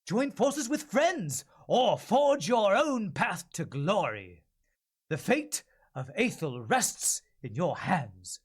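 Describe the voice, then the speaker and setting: Heroic fantasy game announcer, acted by a man, grand, pompous, excited, higher-pitched, dramatic swings. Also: takes it slowly, breathy edge, heavily acted. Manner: pompous, sweeping, theatrical delivery. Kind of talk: dramatic video game trailer narration.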